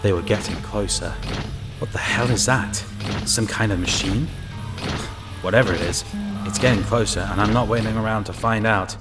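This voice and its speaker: A man's voice: on the low side, normal speed, pauses often, loud music behind the voice, close to an everyday voice. A man playing a wary lone inspector who narrates and acts out his ordeal in an audio drama, tense and dramatic. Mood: uneasy. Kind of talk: first-person audio drama narration and acting.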